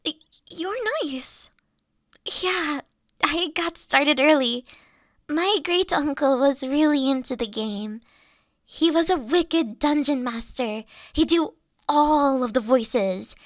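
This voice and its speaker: High-voiced nerdy girl dragon, acted by a woman. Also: takes it slowly, no echo, clean studio sound. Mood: fond, excited. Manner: gushing, rambling, stammering when flustered. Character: adorkable young female college dragon, nerdy, eager, anxious. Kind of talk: roleplay audio drama addressed to the listener.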